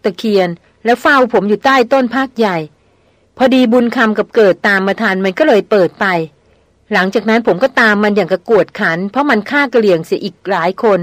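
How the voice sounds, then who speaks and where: Female reader as a hardened male jungle hunter, plain matter-of-fact delivery, mid-pitched, dry close sound; audiobook. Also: a little fast, no room sound, natural voice. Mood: recounting. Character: Rapin, tough male veteran jungle hunter.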